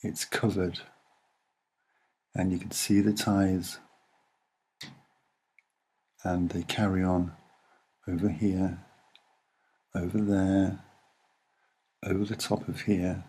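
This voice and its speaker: A soft-spoken man with a husky voice, giving a casual, musing and hesitant commentary as he explains what he sees. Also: sits low, little pitch movement, slow pace, long pauses. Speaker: video narrator.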